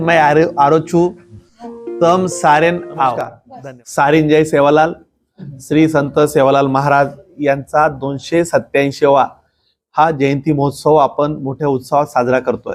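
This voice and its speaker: A man's fairly high voice over music in the background, fairly even in intonation and very even in loudness. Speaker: politician, state legislator. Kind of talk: public appeal to community.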